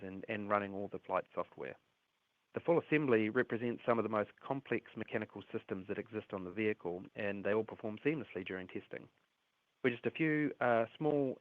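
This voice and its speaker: A man presenting company results as an executive on an earnings call, reading prepared remarks in a measured way. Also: lowish voice. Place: conference call relayed on a livestream. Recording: roomy, phone-like earnings call line.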